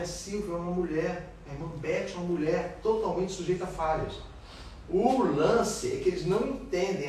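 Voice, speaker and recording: Man teaching Bible study, lively pitch, echoey room from far off with faint noise. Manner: animated, questions the class.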